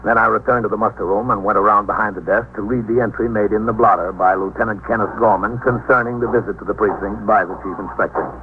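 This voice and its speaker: An actor playing a calm police captain who narrates in a measured, matter-of-fact 1950s radio drama style. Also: male voice, fairly low pitch, lightly acted. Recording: tinny old radio recording with faint hiss.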